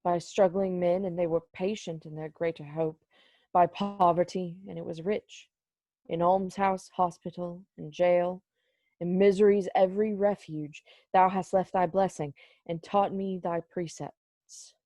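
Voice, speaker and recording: A woman's voice: lowish voice, fairly even intonation, measured pace, dark tone, no room sound. A woman playing a humbled, pleading old miser with an earnest, old-fashioned formal manner, in a storybook reading. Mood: reflective. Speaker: amateur reader, library staff. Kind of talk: dramatic reading of a classic story.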